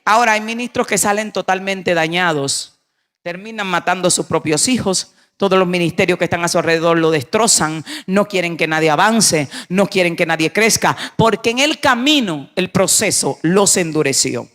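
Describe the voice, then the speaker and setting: A woman pastor preaching a sermon, emphatic, moving between hushed passages and raised, urgent lines. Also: on the low side, moderate pace.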